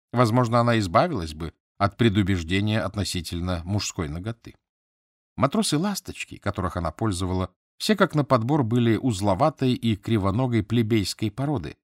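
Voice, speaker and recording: A man reading an audiobook as scripted narration, measured and even. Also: fairly low pitch, no echo, clean studio sound.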